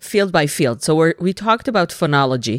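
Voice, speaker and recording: The recording of a woman with an Israeli accent sounds dry and close, with no echo. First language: Hebrew. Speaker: podcast host and linguist. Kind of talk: casual chat. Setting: video call.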